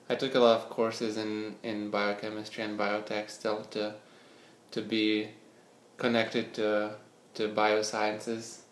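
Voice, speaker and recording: A man's voice: lowish voice, slight background noise. A young man from Lithuania, answering interview questions hesitantly, often repeating words as he searches for them. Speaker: interview guest, scientist and startup founder. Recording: echoey room.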